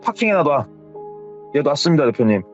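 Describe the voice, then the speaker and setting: A timid, confused young male employee, as a male storyteller puts him on, stammers and answers meekly, his voice lifted with lively pitch. The track sounds a little dull. Faint music sits under it. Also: brisk. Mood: flustered. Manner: hesitant, stammering, deferential.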